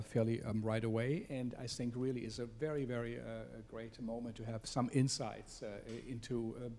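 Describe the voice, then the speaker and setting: A man hosting and introducing an evening talk event, speaking in a halting way with many fillers. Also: medium pitch, darkish tone. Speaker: event host. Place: theater event space.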